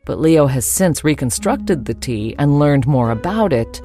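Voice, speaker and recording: Low-voiced woman narrating a ghost story. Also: animated, a little slow, mellow, faint music behind.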